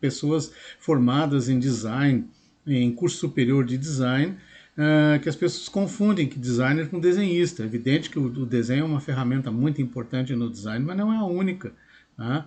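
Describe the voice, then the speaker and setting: Speaking at a moderate pace, a man with a fairly high pitch and a dark, mellow tone sounds somewhat breathy, his intonation lively. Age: 60s. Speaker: drawing teacher and furniture designer. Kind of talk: video lesson monologue. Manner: hesitant, many repetitions and fillers.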